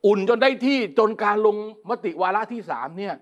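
A man analysing politics in a casual talk, quick and animated, often repeating words. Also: high-pitched, highs cut off, a crowd in the background. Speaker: news analyst.

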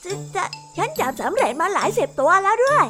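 A woman's voice: sing-song, a little fast, music in the background. Woman doing a frightened stammering little lamb. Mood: nervous bluffing. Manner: high, stammering, nervous. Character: frightened young lamb bluffing bravely.

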